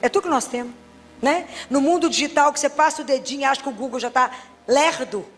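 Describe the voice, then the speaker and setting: High-voiced Mineira woman preaching in a reverberant hall. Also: quick pace, fairly bright tone. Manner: chatty storyteller acting out dialogues, humorous. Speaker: doctor giving a faith talk. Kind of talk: religious talk with personal stories.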